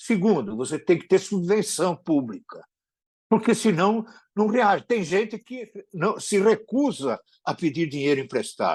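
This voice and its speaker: Set against a quiet background, a man speaks at a high pitch and a fairly slow pace with very wide pitch swings. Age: 80s+. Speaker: stage actor. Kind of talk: interview. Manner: halting, with restarts.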